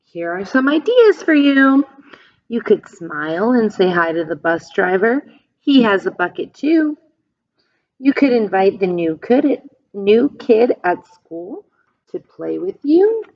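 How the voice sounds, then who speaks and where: A woman reading a picture book aloud to young children in an expressive, teacherly way, with simple phrasing and asides to her listeners. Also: medium pitch, slow pace. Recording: dull, lo-fi sound.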